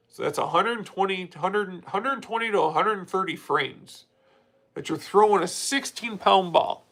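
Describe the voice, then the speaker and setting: A man in his late thirties, his voice sitting high, hosts a casual livestream. He answers viewer comments candidly, rambling and often restarting.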